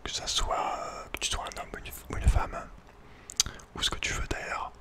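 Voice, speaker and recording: A man whispering an informal, personal ASMR talk as host, in a hesitant, halting way. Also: a bit bright. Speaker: ASMR video creator and host.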